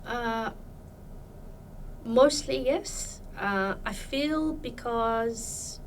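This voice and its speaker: A woman's voice: on the high side, extremely slow, distant mic, a little hiss or hum, low-quality recording. A woman from Iran, a podcast guest, talking about her life in a thoughtful, hesitant way with many fillers. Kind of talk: casual interview chat.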